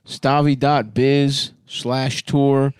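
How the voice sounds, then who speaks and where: Slow-talking man in crude comedy banter. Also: medium pitch, level tone, clear, resonant tone, dry recording, clean studio sound. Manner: slow, laughing, crude joking. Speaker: podcast co-host.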